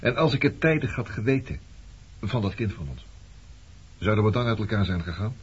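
Muffled radio drama role: stern ex-lover, lowish voice, blunt and probing. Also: male voice, lively intonation, brisk, husky. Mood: insistent. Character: stern, reproachful man confronting his former lover. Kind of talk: Dutch radio play acting. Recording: muffled, noisy old radio recording.

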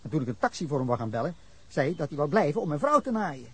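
A slightly high, husky male voice comes through fast and very animated. An actor in a Dutch radio drama is voicing a defensive middle-aged man who rambles angrily to the police about a drunken fight, his indignation spilling into outbursts.

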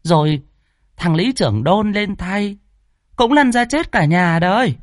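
Guy doing a high squeaky old village granny, chatty, gossipy. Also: unhurried, no room sound, clean studio sound. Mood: gossiping. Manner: gossipy, lively telling.

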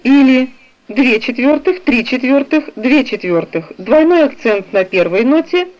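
A woman reading a music theory textbook aloud in a slow, measured way, describing the notation on the page. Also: high voice, animated, a little mellow. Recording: dull, lo-fi recording.

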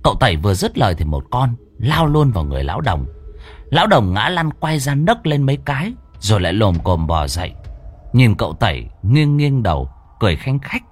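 Husky man narrating a ghost story. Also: mid-range voice, a little fast. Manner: dramatic, expressive storytelling.

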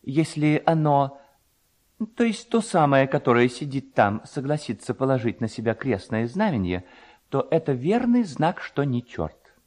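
Casting: male narrator as wary rustic clerk, superstitious, hesitant, wordy, lively intonation, storybook delivery. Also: medium pitch, measured pace. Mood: cautious reasoning.

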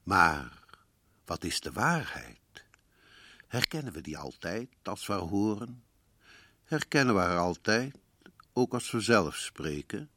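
A man playing a sinister radio-play host in black, closing the story in a husky, slow, ominous voice. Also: low-pitched, big pitch swings, bright, forceful tone, heavily acted. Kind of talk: radio drama narration.

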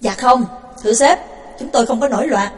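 A woman's voice: on the high side, fairly quick, in a large hall, lightly acted. A woman voicing a bossy teenage boy who leads a prison gang, barking orders and sneering with mock politeness. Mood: mock-polite.

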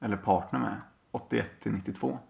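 A man's voice: fairly low pitch, creaky, darkish tone. A young man co-hosting a podcast from a living room, making dry, laid-back remarks in casual chat. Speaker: podcast co-host.

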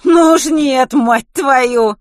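A brash, indignant woman from an audiobook story, acted out by a female narrator. She exclaims loudly in a raised pitch that swoops widely. The sound is close and dry. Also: wildly swooping pitch, normal speed, no echo, full character voice. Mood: indignant, shouting. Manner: loud, outraged exclaiming. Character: brash, foul-mouthed, indignant woman who shouts.

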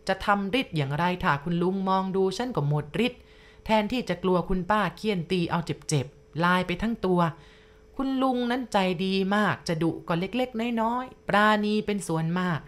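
A woman telling a first-person ghost story at a slow, confiding pace, speaking straight to the listener. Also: medium pitch, animated.

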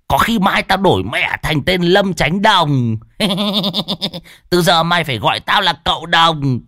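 A man's voice: high voice, expressive, takes it slowly, sharp tone, no room sound, clean studio sound, voice pushed up, heavily acted. A man voicing a crude, boastful old male shaman who mocks and cackles.

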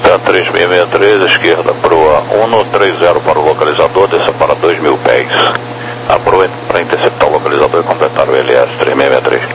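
A deep-voiced Brazilian man speaks as an air traffic controller over two-way radio. His instructions are clipped and procedural, with clear noise on the channel. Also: fairly even intonation, brisk.

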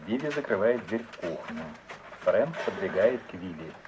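Radio play narrator: man, lowish pitch, expressive scripted reading, noisy 1950s sound. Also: moderate pace. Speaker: narrator reading stage directions.

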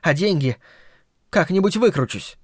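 A soft-spoken young woman, as a male narrator voices her, a college student holding her ground quietly. Her lines come gently and steadily, close and dry. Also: on the high side, expressive, moderate pace, dry recording. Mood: quietly firm.

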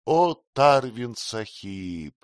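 A man's voice: mid-range voice, very animated, very slow, smooth, no room sound, pitched above the performer's own voice. A scheming young queen, coquettish and intense, as a man puts her on for an audiobook. Her voice sits well above his own and swings widely, pleading one moment and commanding the next. The sound is close and dry. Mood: confiding.

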